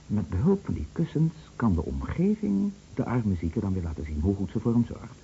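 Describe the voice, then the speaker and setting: An actor playing a chatty, teasing, fretful bedridden husband in a radio play, stammering and musing with theatrical emphasis. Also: male voice, lowish voice, sing-song, brisk, gravelly, dark tone. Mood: wry, musing. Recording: muffled old radio play recording, slight noise.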